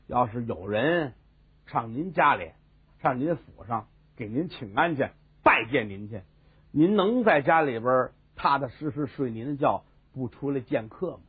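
A man's voice: medium pitch, animated, normal speed, slightly rough, voice pushed down. A man voicing a scheming, fawning male court minister, wheedling and needling in a story telling. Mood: sly. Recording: tinny phone-like sound.

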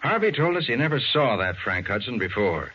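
An actor playing a confident, brisk private detective in a 1940s radio crime drama, speaking in a firm, assured way. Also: male voice, mid-range voice, big pitch swings, breathy edge. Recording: dull vintage 1940s radio recording.

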